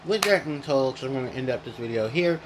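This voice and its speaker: A man's voice: mid-range voice, lively intonation, fast talker, noisy background. A man hosting a casual gaming retrospective, rambling and correcting himself as he goes, chewing while he talks. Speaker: gaming video host.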